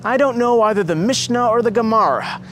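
Man voicing a fierce high-pitched accusing mother. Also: animated, a little fast, fairly bright tone, slight background noise. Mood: agitated, lamenting. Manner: accusing, lamenting.

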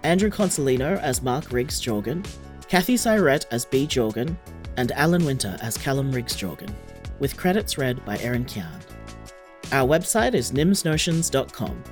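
Lively woman reading credits over music. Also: very deep voice, normal speed. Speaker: credits reader.

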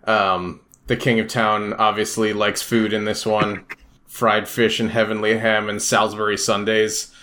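A man's voice: lowish voice, level tone, a little slow, pushed and bright. A man co-hosting a casual podcast, easygoing and a little hesitant, laughing often. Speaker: podcast co-host.

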